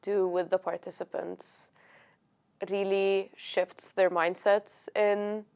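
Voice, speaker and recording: Program staffer, woman, clear smooth voice, upbeat and informative. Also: medium pitch, level tone, slow, darkish tone. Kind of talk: explaining the organization.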